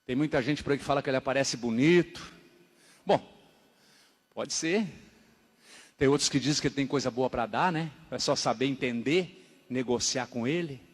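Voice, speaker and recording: A man giving a dramatic religious testimony at a church service, telling his story emphatically and moving between loud exclamations and hushed narration. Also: mid-range voice, normal speed, pauses often. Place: church hall. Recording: echoey hall reverb.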